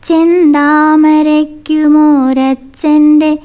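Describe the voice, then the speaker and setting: A woman reciting poetry in a melodic, chanting, drawn-out delivery. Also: high-pitched, little pitch movement, dark tone. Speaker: poet reciting own work. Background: music.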